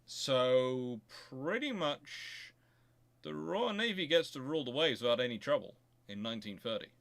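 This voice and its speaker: A man hosting a casual live question-and-answer stream on history, talking in a halting way as he thinks aloud and repeats phrases. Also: medium pitch, lively intonation, creaky, fairly bright tone. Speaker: host of a naval history stream.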